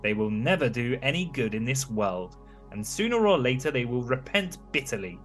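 A man voicing a patient, hundred-year-old talking cricket who moralizes in slow, drawn-out warnings for a storybook. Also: mid-range voice, big pitch swings, faint music behind, lightly acted. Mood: stern, warning.

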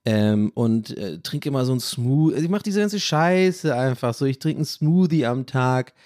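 Man in his thirties, German accent, podcast host, rambling and self-mocking, middle pitch, dry close sound. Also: expressive, normal speed, a little mellow, no echo. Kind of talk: casual rambling chat.

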